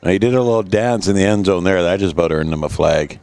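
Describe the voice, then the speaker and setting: A man's voice: low-pitched, fast, darkish tone. A man giving easygoing color commentary on a local football game, explaining plays. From Canada. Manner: easygoing, analytical, many fillers.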